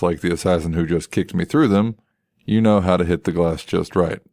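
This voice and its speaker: An actor playing a grim, brooding masked detective in a dramatic audio drama, terse, controlled and grave. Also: male voice, deep voice, dark tone, dry recording, studio quality. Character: grim, brooding masked male vigilante detective in his prime. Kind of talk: dramatic narration and dialogue in a comic audio drama. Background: background music.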